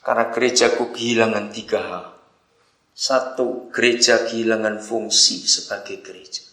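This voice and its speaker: A man quoting a divine voice in his sermon, speaking low, hushed and slow. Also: fairly even intonation, roomy sound. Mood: grave. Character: calm, grave male divine voice.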